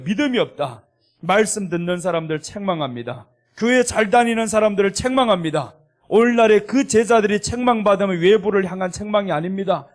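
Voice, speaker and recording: A man preaching a sermon at a Korean church, his voice sitting a little on the high side. He delivers it emphatically and acts out the scripture quotes in small voiced asides as he explains them. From South Korea. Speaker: pastor.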